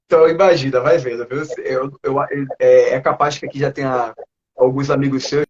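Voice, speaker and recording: A man with a Northeastern Brazilian accent, a teacher interviewing a student over a video call, talking in a relaxed, chatty way and laughing often. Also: mid-range voice, moderate pace, lo-fi sound, a little hiss or hum.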